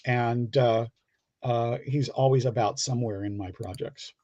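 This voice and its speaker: A middle-aged man from the Pittsburgh area in the United States, chatting casually as a guest and telling rambling, halting anecdotes. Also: mid-range voice, steady tone, mellow. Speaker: guest comic book creator. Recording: dull lo-fi, roomy call audio.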